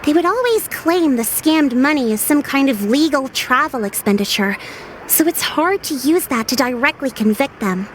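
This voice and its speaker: A woman playing a composed, courteous female tribal chief in a video game, speaking in a formal, measured way. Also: high-pitched, animated, slight background noise. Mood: grave, explaining. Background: music.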